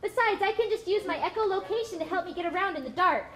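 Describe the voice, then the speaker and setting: A woman's voice: very high voice, quick pace, a little hiss or hum. A woman voicing a curious, eager young female sperm whale in a live puppet show. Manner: wide-eyed, enthusiastic.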